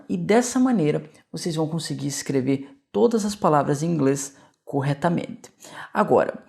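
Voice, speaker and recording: A man's voice: fairly high pitch, gravelly, darkish tone. A man with a Brazilian Portuguese accent teaching an English grammar lesson, explaining patiently and checking in often with the viewers.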